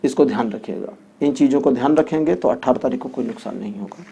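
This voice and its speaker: A man's voice: medium pitch, quick pace, creaky, warm tone, husky. A man giving a weekly tarot horoscope reading, explaining each point with repetition and homely examples. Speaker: tarot reader.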